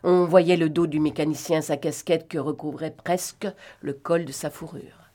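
A woman narrating a novel in an expressive, dramatic reading. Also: low-pitched, normal speed. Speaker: audiobook narrator.

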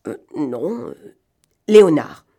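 A woman's voice: low voice, big pitch swings, slow pace, warm tone, slightly rough, heavily acted. Frightened young male crook, read by a woman, stammering and trembling; audiobook.

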